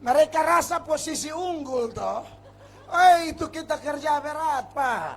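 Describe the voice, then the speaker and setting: A male pastor preaching a revival sermon, telling a personal story with hushed asides and sudden shouts. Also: extremely high pitch, measured pace, vocal fry, soft background music. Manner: animated storytelling, acts out scenes, shifts between hushed and shouting. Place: large revival meeting.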